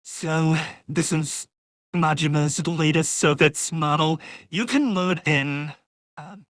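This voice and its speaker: A woman talking casually through a software demo, her voice converted by a real-time voice changer into a masculine one. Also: deep voice, slow pace, no echo, studio quality. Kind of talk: casual live software walkthrough.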